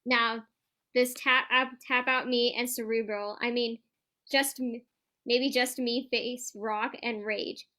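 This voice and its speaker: A woman's voice: on the high side, fairly even intonation, slow pace, pushed and bright. A woman reading the part of a boastful, trash-talking champion pro wrestler in a staged promo reading, stumbling now and then over the script. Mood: dismissive.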